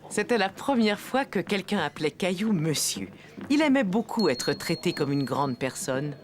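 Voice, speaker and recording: A woman narrating a children's cartoon as a gentle storyteller, reading scripted lines with expression. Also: lowish voice, sing-song, moderate pace. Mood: storytelling.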